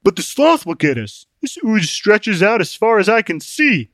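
A man's voice: sits high, big pitch swings, normal speed, fairly bright tone, no room sound, clean studio sound, pitched above the performer's own voice. A man voicing a pompous, fearful male traveling companion who complains dramatically in an audiobook story. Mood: anxious complaint.

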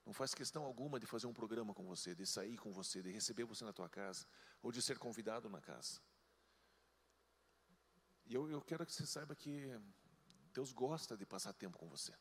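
Animated male pastor in a reverberant hall. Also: a little fast, long pauses. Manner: animated storytelling, jumps into high-pitched voices for quoted people. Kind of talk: sermon. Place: church hall.

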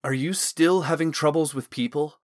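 A man's voice: medium pitch, lively intonation, a little slow, fairly bright tone, no room sound, clean studio sound. A man voicing a teasing, smug but fond male guardsman in an audiobook, with a wry way of talking. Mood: concerned. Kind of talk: audiobook character dialogue.

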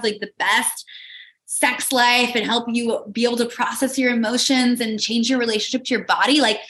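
A woman's voice: fairly high pitch, sharp tone, reverberant. A woman hosting a personal spiritual coaching podcast, talking in an earnest, encouraging manner. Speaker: podcast host.

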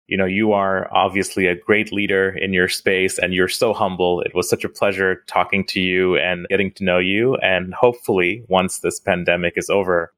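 A man's voice: low voice, flat delivery, normal speed, few pauses, a bit bright, no echo. A man from Bangladesh hosting a podcast interview in a conversational style. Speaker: podcast host.

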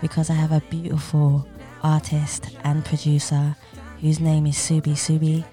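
Woman, podcast host, low pitch, mellow tone, effusive, enthusiastic. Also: monotone, moderate pace, soft background music. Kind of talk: interview hosting.

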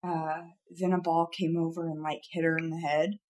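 A woman in her thirties speaks into a studio podcast mic in relaxed chat. Her voice sits a little low, and she talks earnestly, rambling through her thoughts with many fillers and restarts. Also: moderate pace. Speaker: podcast co-host. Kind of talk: casual chat.

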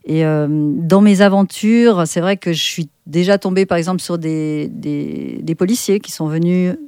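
A middle-aged woman with a Swiss French accent, chatting as a guest in an interview, full of fillers and restarts and quick to laugh. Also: fairly low pitch, very animated, warm tone, clean tone, dry recording, clean studio sound. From Switzerland. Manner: chatty, many fillers and self-corrections, laughs often. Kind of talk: casual interview chat.

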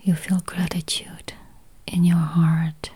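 A woman leads a guided meditation in a soft, whispery voice, gently speaking in short, spaced phrases. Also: fairly low pitch, flat delivery, slow pace, husky. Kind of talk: guided meditation, counting and affirmations.

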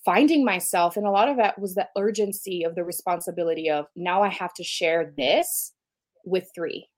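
A woman's voice: lowish voice, normal speed. A woman from Brazil, a business coach and podcast guest, who talks eagerly and at length. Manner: eager, talkative, laughs often. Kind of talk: conversational interview.

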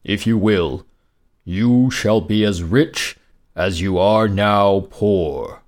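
Male narrator as great white bear, storybook creature, solemn, courteous, deeper pitch, slow formal delivery. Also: a little mellow. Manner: slow, grave, formal speech. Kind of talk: storybook character voice.

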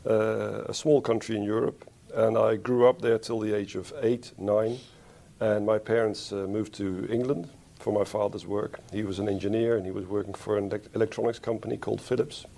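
A man from the Netherlands, a spine surgeon being interviewed, who talks in a thoughtful, unhurried way and corrects himself as he goes. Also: on the low side, flat delivery, gravelly, dark tone. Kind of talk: conversational interview.

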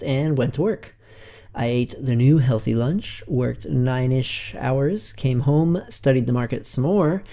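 Congested guy in his 20s doing a weekly update, dark gravelly voice, just plain and earnest. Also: medium pitch. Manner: earnest, plain day-by-day recounting. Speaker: podcast host. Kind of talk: casual weekly self-recorded update.

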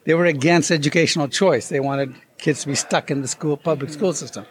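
A man's voice: on the high side, fairly quick. A man as an interview guest, telling a story and acting out the quoted voices. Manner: animated, acts out quoted dialogue. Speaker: guest author. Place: convention.

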